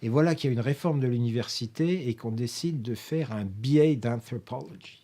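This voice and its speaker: A man's voice: mid-range voice, a little fast, warm tone. An older man from France recalling a story in an interview, rambling with frequent hesitations and self-corrections. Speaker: interviewee, professor emeritus. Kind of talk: filmed interview, anecdotal recollection.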